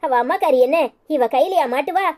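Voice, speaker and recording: A woman's voice: high voice, a little fast, darkish tone, natural voice. A woman voicing a fierce, tearful village mother in a cartoon, with a Tirunelveli Tamil accent. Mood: worried. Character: emotional, fiery village mother. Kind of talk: cartoon voice acting.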